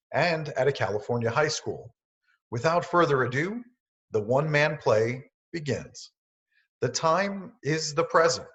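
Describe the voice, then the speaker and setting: A man reading a scripted introduction to a play in an even, formal way. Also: medium pitch. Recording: dull lo-fi sound.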